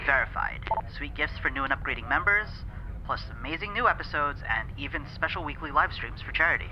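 Male actor as a rocket ship pilot, sci-fi radio communicator sound, dull lo-fi line under steady static, brisk status reports. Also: on the high side. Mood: reporting. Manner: clipped, matter-of-fact status reports. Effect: sci-fi radio communicator, muffled and staticky. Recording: muffled lo-fi radio with static noise.

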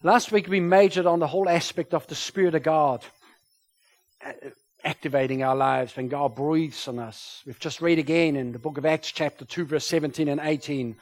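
A man whose first language is German, preaching a sermon to a congregation, his voice rising loud when he quotes scripture. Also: a little high, fairly even intonation, moderate pace. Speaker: pastor. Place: church.

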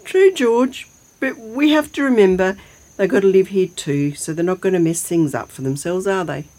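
A woman's voice: mid-range voice, moderate pace, warm tone, close to an everyday voice. An actress playing an elderly Aboriginal Australian grandmother in an audio drama, homely and colloquial, anxious but wise. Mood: homely, resigned. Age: older. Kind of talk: naturalistic audio drama dialogue and storytelling.

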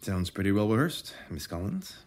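An actor playing a probing, officious rejuvenation officer in an audio drama, measured and insinuating. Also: male voice, fairly low pitch, big pitch swings, darkish tone, slight background noise. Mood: probing, smug.

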